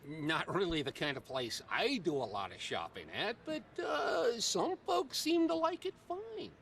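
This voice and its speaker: Folksy, lively kindly working-class older man. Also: sits high, measured pace, vocal fry, distant mic, exaggerated voice. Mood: matter-of-fact, helpful. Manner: folksy, ungrammatical, hesitant speech. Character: kindly older working-class male friend, plainspoken and sentimental. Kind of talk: video game dialogue acting.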